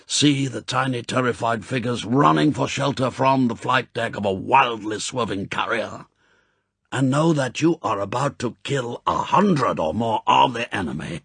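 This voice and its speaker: A man's voice: mid-range voice, vocal fry, a bit bright, breathy edge, no room sound, exaggerated voice. A man voicing a proud Japanese spymaster in an audiobook, formal and courtly, zealous and sternly gracious. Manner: formal, stilted, courtly phrasing.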